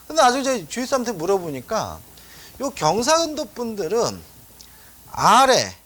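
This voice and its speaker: A man's voice: high voice, fairly bright tone, husky. A middle-aged man from Seoul giving an exam-prep law lecture, chatty and asking rhetorical questions as he tells anecdotes. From Seoul, South Korea.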